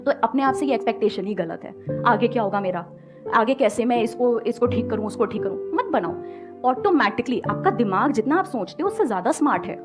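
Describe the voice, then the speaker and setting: A woman's voice: on the high side, brisk, over music. A woman with an Indian accent, chatting on a talk show about learning English and mixing Hindi with English. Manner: lively, mixes Hindi and English. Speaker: English teacher. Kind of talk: casual talk show chat.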